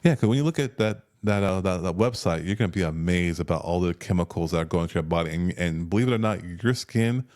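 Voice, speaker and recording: A man in his fifties talking casually as a health coach, relaxed and repeating words as he thinks. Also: low voice, fast talker, few pauses. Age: 50s. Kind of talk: casual conversational health talk.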